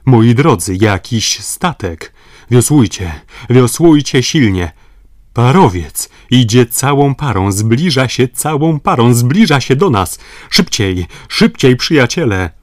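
A man reading an audiobook voices a desperate nobleman shouting commands to his rowers during a sea escape. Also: lowish voice, slow pace, dry recording, studio quality. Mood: urgent.

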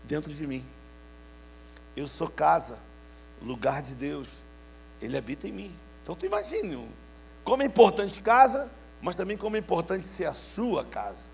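A man's voice: fairly high pitch, wildly swooping pitch, normal speed, gravelly, a little mellow, slight background noise. A man, giving a playful sermon to young people and calling out to his listeners for answers. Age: 50s. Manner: playful, calls out to listeners for responses. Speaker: youth preacher.

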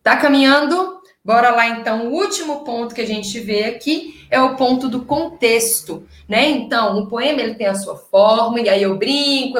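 A woman's voice: on the high side, a bit bright. A Brazilian woman with a Brazilian Portuguese accent teaching a literature class in a chatty, enthusiastic way, often asking rhetorical questions. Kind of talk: casual online class lecture. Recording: echoey room.

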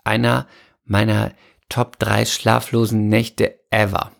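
A woman actress in casual chat, excitable and dramatic, quick to laugh. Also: very deep voice, creaky.

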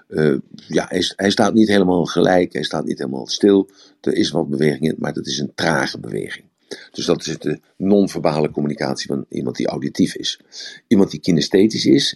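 A man's voice: extremely low pitch, creaky, darkish tone. A man giving a rambling, explanatory talk on communication in a live audio room, often repeating words. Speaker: speaker on communication.

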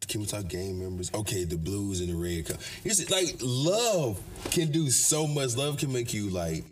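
A man's voice: fairly low pitch, very animated, moderate pace, recorded from a distance. A young man with an African American accent chatting casually and informally in slang on a podcast. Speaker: podcast guest or co-host.

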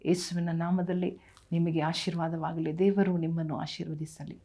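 A woman's voice: fairly low pitch, flat delivery, normal speed, heavy background noise. A woman preaching and praying with fervour, repeating phrases and calling out hallelujah as her exhortation rises. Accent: Kannada. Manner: repetitive, rising exhortation with frequent hallelujahs. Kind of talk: fervent sermon and prayer.

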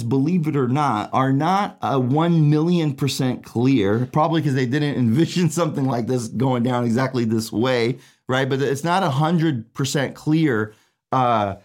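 A man born in Iraq, a trial attorney, explaining a legal case in casual, rambling talk full of fillers and asides. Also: medium pitch. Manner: chatty, many fillers and asides, laughs at own jokes.

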